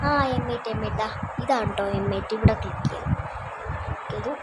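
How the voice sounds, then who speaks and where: A woman chatting casually to her viewers as she unboxes a microphone. She talks warmly and a little apologetically, like someone making her first video. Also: a little high, fairly even intonation, fast, over loud music, rough recording. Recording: loud background noise.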